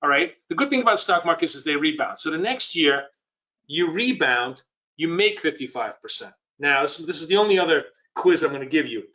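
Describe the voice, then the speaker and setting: A man's voice: fairly high pitch, lively intonation, a little fast, bright, forceful tone, highs cut off. A man with a cold and a scratchy voice, teaching trading in a live webinar, talking loosely and quizzing his viewers. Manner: rambling, conversational, quizzes the audience. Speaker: trading educator.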